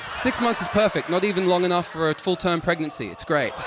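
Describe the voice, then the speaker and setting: Very fast speech with fairly even intonation over noticeable background noise. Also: man. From Australia. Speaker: comedian. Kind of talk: stand-up.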